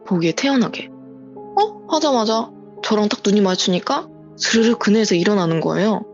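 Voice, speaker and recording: A viewer on a voice call shares a real story of her own in a casual, vivid and breathless telling, playing out the things people said. Her medium-pitched voice is brisk and a little mellow with lively intonation, and the call is muffled with faint music.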